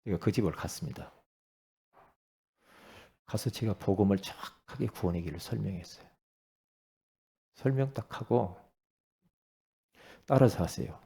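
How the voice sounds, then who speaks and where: Korean pastor preaching, lively and mellow. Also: male voice, fairly low pitch, normal speed, gravelly, pauses often. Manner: conversational preaching with sudden loud bursts and hushed asides; asks the congregation for assent. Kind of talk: sermon.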